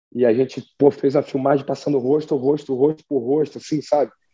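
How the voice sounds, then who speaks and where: Fairly even intonation carries this fairly quick delivery. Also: man. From Niterói, Rio de Janeiro state, Brazil. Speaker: orthopedic surgeon and healthcare entrepreneur. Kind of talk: casual interview.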